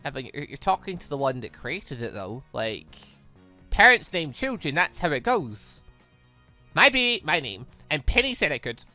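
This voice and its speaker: The voice is bright and forceful, with pitch that swings widely. It belongs to a gaming host doing a lively read-along of a visual novel, rambling into personal asides between lines. Faint music sits behind the voice. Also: moderate pace. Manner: animated, rambling, slips between reading and reacting. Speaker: YouTube host reading a visual novel aloud.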